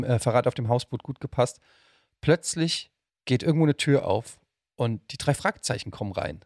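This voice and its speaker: A man hosting a casual podcast, riffing with joking, excitable enthusiasm. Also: mid-range voice, dry recording, studio quality. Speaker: podcast host.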